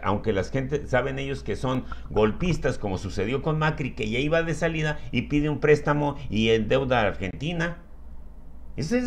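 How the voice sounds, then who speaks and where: A man with a Mexican accent hosting political commentary, addressing his audience in an emphatic, theatrical showman's way with formal courtesies. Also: medium pitch. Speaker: host of a political commentary show. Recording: music behind the voice.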